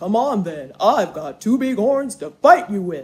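A woman with a medium-pitched voice does a cartoonish character voice at a moderate pace, with very wide pitch swings. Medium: puppet.

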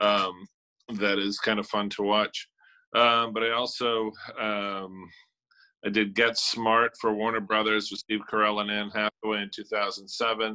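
A man with an American accent speaks at a fairly slow pace in a fairly low, bright, sharp tone. His intonation is monotone and flat against a quiet background. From US Midwest (Springfield, Missouri). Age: 50s. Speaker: visual effects supervisor. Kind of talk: interview. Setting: video call. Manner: halting, many fillers. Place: home room. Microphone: video call.

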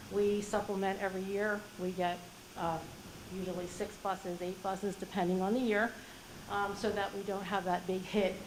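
Monotone, flat intonation from a woman at medium pitch, at a moderate pace, with audible room echo. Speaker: school transportation director. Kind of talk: presentation at board meeting. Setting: board meeting room, hybrid. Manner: hesitant, many fillers.

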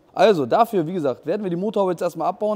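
This man's voice sits high in pitch. Its tone is dark and mellow. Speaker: car mechanic. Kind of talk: tutorial. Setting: workshop. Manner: soft-spoken. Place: workshop. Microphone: lapel.

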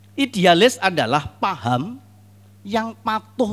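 A man's high voice swings very widely in pitch. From East Java, Kediri; East Java. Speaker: Buddhist monk. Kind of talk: commemorative speech. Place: hall. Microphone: handheld.

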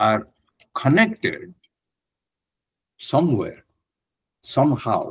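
Against a quiet background, the voice moves at a very slow pace. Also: man. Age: 80s+. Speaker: conference panelist. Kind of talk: panel discussion.

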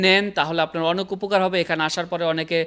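Bright and sharp in tone, a man speaks at a high pitch. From Bangladesh, Faridpur. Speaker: YouTube channel host. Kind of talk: promotional video interview.

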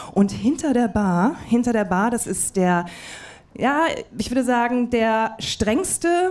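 At a fairly slow pace, a woman speaks with very wide pitch swings. Light background noise is present. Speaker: talk show host. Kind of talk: live talk show banter. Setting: club with live audience. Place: bar. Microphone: handheld.

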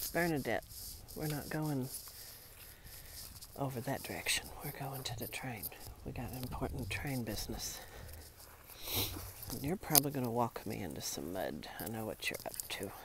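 A man speaks at a moderate pace with ordinary pitch variation, pausing long and often, in a dry recording with no echo and noticeable background noise. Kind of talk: casual vlog chat. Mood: playful, joking. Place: open country. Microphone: phone near.

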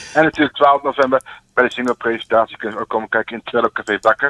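A man's medium-pitched voice, bright and sharp in tone, with fairly even intonation at a very fast pace. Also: dry, close sound with no echo. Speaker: singer. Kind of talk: casual interview.

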